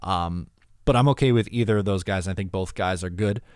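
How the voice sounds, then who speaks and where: A man's voice: low voice, fairly quick, darkish tone, smooth, no echo, clean studio sound. A man hosting a podcast, talking sports casually and giving blunt, opinionated answers. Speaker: podcast host answering voicemails.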